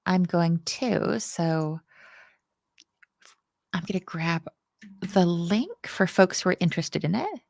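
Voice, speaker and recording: A woman's voice: lowish voice, animated, takes it slowly, gravelly, pauses often, a little mellow, no echo, clean studio sound. A woman from the UK, teaching a casual coding lesson in a playful, chatty, self-deprecating way.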